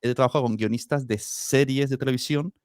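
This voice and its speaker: A man with an accent from Spain speaks in a casual, conversational interview style. His pitch is average for a man. The sound is dry, with hardly any echo. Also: steady tone, brisk. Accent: Spain Spanish.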